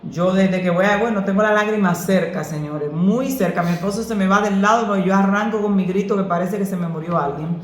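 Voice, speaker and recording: A woman pastor, answering questions about prayer in an earnest, preacherly way that slips into lively storytelling. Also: mid-range voice, a little fast, hardly any pauses, a little hiss or hum. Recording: echoey room.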